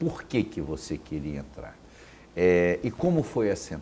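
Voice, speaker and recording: Dark and mellow in tone, the voice moves at a fairly slow pace. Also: man. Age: 60s. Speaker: TV talk show host. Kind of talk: TV interview.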